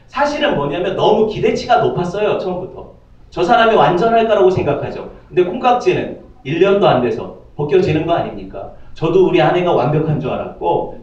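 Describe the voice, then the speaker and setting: A man's voice: a little high, darkish tone. A man preaching a sermon as pastor, joking and asking his congregation questions. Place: church sanctuary. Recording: distant, echoey, slightly dull church audio.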